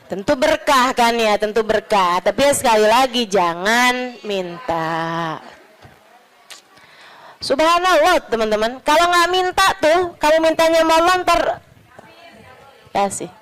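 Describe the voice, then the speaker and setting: Chatty woman preacher, slightly high voice. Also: lively intonation, measured pace, pauses often, fairly bright tone, smooth, low-quality recording. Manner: chatty, teasing, addresses listeners as friends. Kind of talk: religious talk to an audience.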